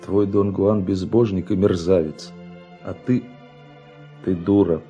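An actor playing a proud, hot-tempered Spanish grandee, sullen and curt, in a classic radio drama. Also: male voice, sits low, fairly even intonation, takes it slowly, warm tone, highs cut off, faint music behind. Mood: furious, contemptuous.

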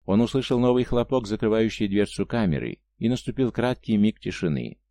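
Мужчина-чтец аудиокниги, низкий голос, мягкий тёмный тембр, ровная подача. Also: male voice, on the low side, animated, brisk, warm tone, dry recording. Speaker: narrator. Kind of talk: audiobook narration of science fiction.

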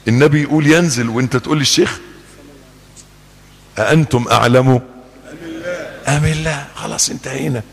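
A man preaching a sermon with an Egyptian accent, acting out back-and-forth dialogues with his listeners in an animated way. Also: mid-range voice, fairly quick, creaky, long pauses, in a large hall. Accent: Egyptian Arabic.

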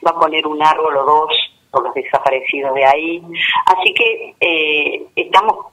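An Argentine woman from a human rights group, calling into a radio show and explaining plans step by step, pausing to find her words. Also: sits low, a bit bright. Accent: Argentine Spanish. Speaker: human rights group member, phone guest. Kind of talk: casual radio phone interview. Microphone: telephone. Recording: tinny phone line.

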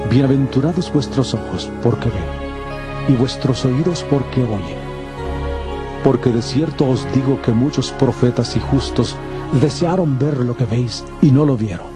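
An actor playing a calm, solemn male teacher of parables in a dramatized scripture audio, speaking in a measured, deliberate way. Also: mid-range voice, close to an everyday voice. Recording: constant prominent music under the voice. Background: music.

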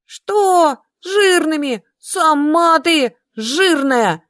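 A woman's voice: high-pitched, lively intonation, normal speed, no room sound, clean studio sound, voice pushed up. A woman voicing a hot-tempered young witch. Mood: furious yelling. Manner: shouting, brash and combative. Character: fiery young redheaded witch student, quick-tempered.

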